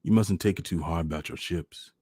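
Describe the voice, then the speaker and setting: In a storybook reading, a man plays a gentle, wistful country father, speaking with a rural Southern accent in a folksy, plainspoken way. His husky voice sits low and moves a little fast, with a consoling mood, recorded in clean studio sound with no echo.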